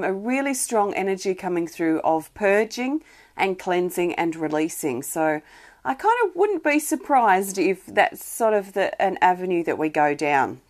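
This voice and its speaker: Wheezy woman streaming healing guidance. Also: on the low side. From Australia. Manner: soft, gentle, greets viewers by name, many ums and restarts. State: wheezy, irritated lungs. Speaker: spiritual healing guide on a live stream. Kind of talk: live-streamed spiritual chat.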